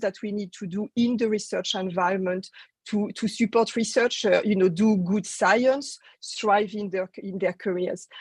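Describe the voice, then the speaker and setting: A woman speaks with ordinary pitch variation. Her voice is somewhat breathy. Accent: French. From France. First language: French. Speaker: researcher development consultant. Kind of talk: webinar presentation. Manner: halting, many repetitions.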